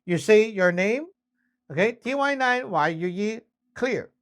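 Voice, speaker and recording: High-pitched man giving a casual lesson. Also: lively intonation, unhurried. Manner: conversational, frequent check-ins, spells things out step by step. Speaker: instructor teaching radio communication basics. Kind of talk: casual spoken lesson with acted-out example exchanges.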